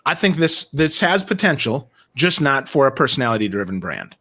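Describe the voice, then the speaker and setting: Bright, animated co-host man. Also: medium pitch. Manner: animated and blunt, quick asides. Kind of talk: casual live-stream chat.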